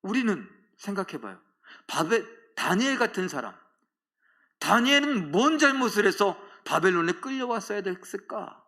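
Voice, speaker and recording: A male pastor preaching a sermon in a church, acting out quoted taunts with loud outbursts and dropping to a hush for emphasis. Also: high voice, sing-song, normal speed. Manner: dramatic, acts out quoted taunts and cries with sudden loud rises; drops to a hushed, soft voice for emphasis. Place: church sanctuary.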